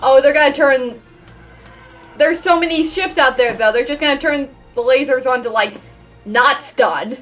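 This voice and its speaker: A woman's voice: high voice, moderate pace, a bit bright, faint music behind. A woman giving casual, sarcastic, sweary commentary as host of a reaction video.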